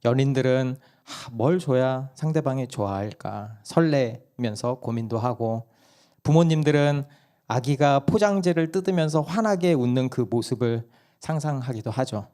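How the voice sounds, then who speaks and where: Hoarse pastor guy preaching at church, casual storytelling, medium pitch, asks the crowd stuff. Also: expressive, normal speed, warm tone. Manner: conversational storytelling, asks the congregation questions. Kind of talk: sermon. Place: church worship service.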